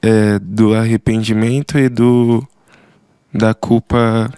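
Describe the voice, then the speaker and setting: A man's voice: fairly low pitch, level tone, slow, dark tone, clear, resonant tone, dry recording. A man with a Brazilian Portuguese accent hosting a podcast, asking questions in a hesitant way as he looks for words. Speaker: podcast host. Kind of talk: interview questions.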